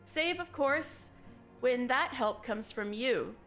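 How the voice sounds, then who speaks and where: A woman reading the part of a calm, formal woman leader, in a measured, formal manner. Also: fairly high pitch, faint music behind. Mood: grave counsel.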